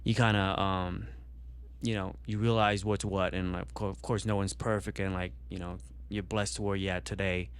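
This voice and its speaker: A man's voice: low-pitched, flat delivery, moderate pace, clean tone. A young man born in Vietnam, talking casually on a podcast and rambling with many fillers and restarts. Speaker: podcast guest.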